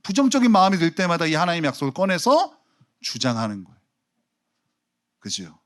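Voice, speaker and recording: A man preaching a Sunday sermon as pastor, animated, swinging from soft asides to loud emphasis. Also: fairly high pitch, brisk. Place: church sanctuary.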